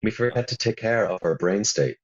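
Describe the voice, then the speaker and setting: A man with a Belfast accent, a guest calmly explaining his meditation work in an interview. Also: lowish voice, brisk. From Northern Ireland. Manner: calm, flowing explanations with frequent fillers. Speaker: guest, founder of a meditation app. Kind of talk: interview conversation. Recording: dull, muffled lo-fi audio.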